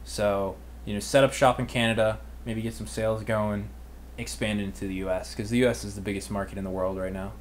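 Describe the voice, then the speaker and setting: Speaking fairly quickly with a flat delivery and a voice on the low side, an American man in his twenties casually handles viewer questions. He's an online business livestream host and mentor with slangy, youthful phrasing; there's a little hiss or hum.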